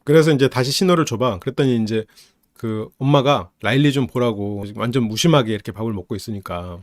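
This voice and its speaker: A man hosting a psychology channel, casually analyzing a film, lively and laughing often as he acts out characters' lines. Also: medium pitch, a little fast, dry recording, studio quality.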